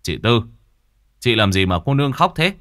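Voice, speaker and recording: A man's voice: medium pitch, big pitch swings, normal speed, fairly bright tone, faint music behind. A man voicing a blunt young male actor in a storybook reading, speaking firmly and reproachfully. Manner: firm, curt and reproachful.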